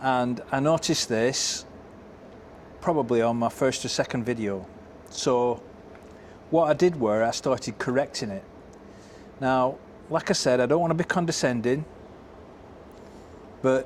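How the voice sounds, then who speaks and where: With a Lancashire accent, a man talks with ordinary pitch variation and long, frequent pauses. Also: medium pitch for a man, moderate pace. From Lancashire, England. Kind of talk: casual talk to camera.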